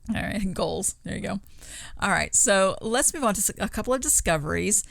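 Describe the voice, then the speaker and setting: A woman co-hosting a podcast, talking casually and informally in an agreeable, measured way. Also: medium pitch, expressive, gravelly, no room sound, clean studio sound. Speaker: podcast co-host. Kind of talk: casual conversational storytelling.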